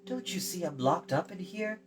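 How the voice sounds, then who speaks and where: A woman's voice: fairly low pitch, animated, normal speed, close to an everyday voice. Woman reading as an earnest young captive lad. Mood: weary. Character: earnest, weary young male assistant pigkeeper held captive. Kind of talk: children's fantasy storybook reading.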